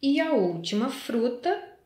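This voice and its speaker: A Brazilian woman teaching a preschool class, speaking gently and singing children's songs in a drawn-out, sing-song way. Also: fairly high pitch, very animated. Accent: Brazilian Portuguese. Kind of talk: slow, sing-song lesson for small children. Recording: echoey room.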